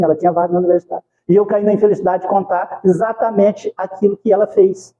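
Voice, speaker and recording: A Brazilian man with a high, warm voice gives a casual spiritist talk in a spiritist centre hall, and the recording sounds muffled. He speaks with a Brazilian Portuguese accent, telling homespun stories, acting out dialogue and posing rhetorical questions as a spiritist lecturer.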